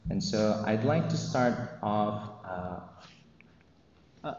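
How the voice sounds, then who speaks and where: A man's voice: fairly low pitch, expressive, slow, a little mellow, slight background noise. Nervous man speaking in echoey hall. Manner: hesitant, many ums and uhs, nervous. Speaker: commencement speaker, math teacher. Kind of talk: commencement speech. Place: large hall, at a podium. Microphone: podium microphone. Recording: echoey hall, dull lo-fi sound.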